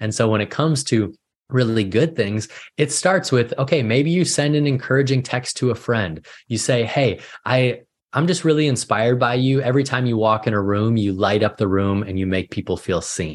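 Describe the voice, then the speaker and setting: A man speaks at a moderate pace and a medium pitch, with lively intonation, in a plain, everyday voice. The background is quiet. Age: 30s. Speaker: author and entrepreneur. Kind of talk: interview.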